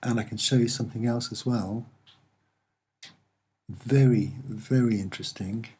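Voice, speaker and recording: A soft-spoken man presents an unscripted visual commentary in a dark, husky voice. He moves very slowly and haltingly, pausing often as he searches for the next phrase. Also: mid-range voice, fairly even intonation. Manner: hesitant, halting, with many pauses. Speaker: amateur video presenter.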